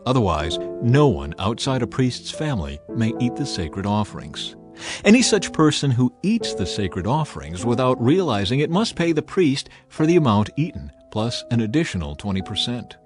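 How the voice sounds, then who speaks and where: A man narrating scripture as a dramatized audio reading, solemn, measured and authoritative in his delivery. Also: mid-range voice, big pitch swings, over music. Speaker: Bible narrator.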